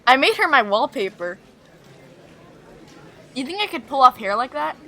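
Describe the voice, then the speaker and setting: A woman voicing a chatty, excitable, goofy school friend in an animated web series. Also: high voice, normal speed, heavily acted. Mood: chirpy. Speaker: voice actor in a fan-made Roblox school series.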